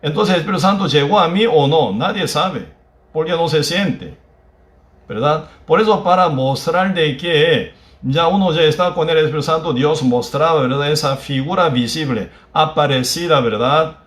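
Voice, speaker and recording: A man with a Korean accent preaches a sermon in a higher-than-usual voice. His phrases come out halting and broken, and he keeps tagging them with questions to the congregation. The recording carries the echo of a church hall. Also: a bit bright. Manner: peppers phrases with tag questions. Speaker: pastor.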